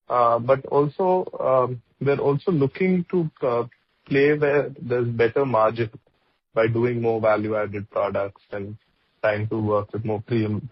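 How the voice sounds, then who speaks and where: A company executive answering an analyst's question on an earnings call, thinking aloud with many fillers. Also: male voice, mid-range voice, breathy edge, dry recording. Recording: muffled conference call line.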